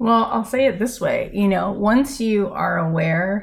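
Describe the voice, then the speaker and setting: A woman speaks at a moderate pace with a somewhat breathy voice and lively intonation, on a very clean recording with a silent background. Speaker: podcast host and author. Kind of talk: conversational interview about ego and consciousness.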